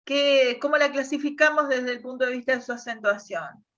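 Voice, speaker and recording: A woman teacher explaining spelling rules to her class, often checking in with a quick "tá?". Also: high voice, a bit bright, muffled recording. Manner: checks understanding with frequent "¿tá?". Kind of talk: classroom lesson on Spanish accent rules.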